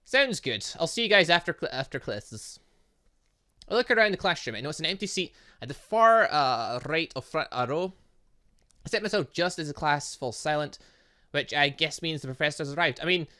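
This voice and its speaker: Bright-voiced man doing rambling game commentary. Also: on the high side. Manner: rambling, joking asides, stumbles over read text. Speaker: gaming channel host. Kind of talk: casual let's-play commentary with read-aloud game text.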